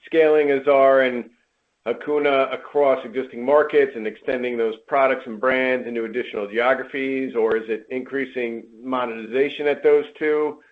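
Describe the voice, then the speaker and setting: Tinny phone line, man, medium pitch, analyst posing a question, earnings call. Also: fairly even intonation, moderate pace. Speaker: financial analyst asking a question.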